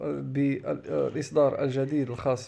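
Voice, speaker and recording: A man speaks at a very slow pace. His medium pitch shows ordinary variation. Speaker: gaming YouTuber. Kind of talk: gaming news commentary.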